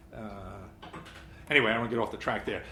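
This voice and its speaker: There's audible room echo as a man speaks. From US. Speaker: philosopher leading a seminar. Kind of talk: seminar lecture. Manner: halting, with many repetitions.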